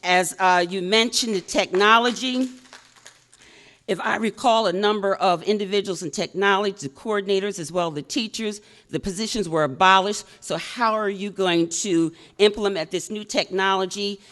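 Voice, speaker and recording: A woman with a naturally loud voice addresses a school board from the podium microphone. She is insistent and pointed and fires off questions, and her pitch sits in a middle register. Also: moderate pace. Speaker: public commenter at a school board meeting. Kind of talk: public comment speech. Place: school meeting hall.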